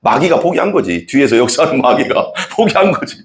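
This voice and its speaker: Talking a little fast in a mid-range voice, a male pastor shares his testimony during a sermon. He brings the story to life by voicing and performing the characters in it.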